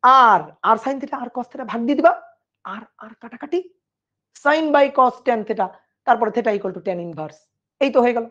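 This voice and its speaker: A man teaching a physics lesson online, talking casually and often checking whether his students follow. At times he drops to a hushed voice. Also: very high voice, a little slow, highs cut off. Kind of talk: online class lecture.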